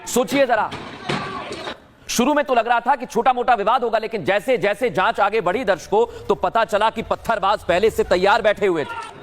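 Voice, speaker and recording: A man's voice: sits high, normal speed. A man anchoring a news report, narrating emphatically and asking viewers rhetorical questions. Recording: music bed under voice.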